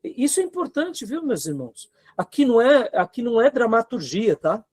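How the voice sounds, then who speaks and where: Here a man with a Brazilian Portuguese accent gives a seminary lecture in a very high-pitched, sing-song voice that is a little mellow, moving at a moderate pace. Earnest and exhorting, he leans on rhetorical questions and plenty of tag questions to engage his students.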